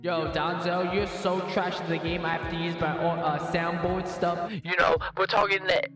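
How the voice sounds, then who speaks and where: A man's voice: sits high, flat delivery, normal speed, reverberant, big-room sound, over music. A man's casual, laid-back talk played back through a megaphone voice effect. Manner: laid-back, lots of fillers. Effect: megaphone voice effect played back from a soundboard. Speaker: gaming tech tutorial host.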